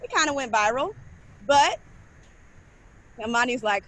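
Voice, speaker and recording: Woman, high voice, lively casual speech, says y'all, faint noise in the background. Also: measured pace, low-quality recording. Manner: animated, laughing, addresses listeners as y'all. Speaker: panelist, scholar and street dancer. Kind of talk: casual panel discussion.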